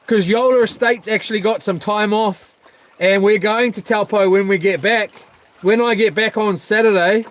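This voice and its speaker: A man's voice: sits high, rough recording. A man with a broad New Zealand accent chatting casually and slangily, half to himself, as he vlogs. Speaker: live streamer. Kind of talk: casual vlog chat, talking while tidying.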